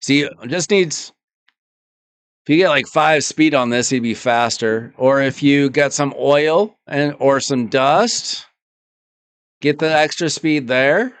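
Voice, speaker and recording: A man live-streaming a game, thinking aloud in a relaxed, casual way while his voice is going. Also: on the high side, slow, clean tone, no room sound. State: losing his voice.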